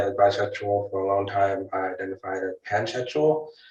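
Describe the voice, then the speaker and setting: Here a man talks at a moderate pace in a fairly low pitch. His intonation is fairly even, and his voice is somewhat breathy. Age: 20s. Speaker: youth leader and university student. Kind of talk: interview. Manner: halting, many fillers.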